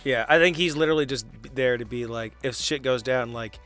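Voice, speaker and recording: A man's voice: medium pitch, fairly quick, a bit bright, soft background music. A man chatting casually as a player on a tabletop game podcast. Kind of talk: casual chat.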